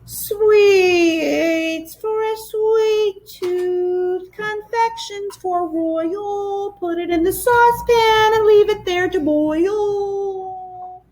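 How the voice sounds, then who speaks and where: A woman voicing a vague male creature chef who sings slowly and mournfully. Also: very high-pitched, darkish tone, pitched above the performer's own voice, full character voice, low-quality recording. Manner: slow, mournful singing.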